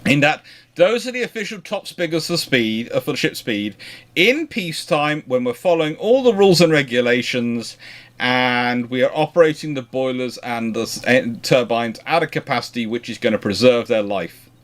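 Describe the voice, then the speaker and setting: A man hosting an informal history question-and-answer chat, talking in a discursive, halting way and often rephrasing mid-sentence. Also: mid-range voice, lively intonation, fairly bright tone. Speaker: naval history livestream host answering questions.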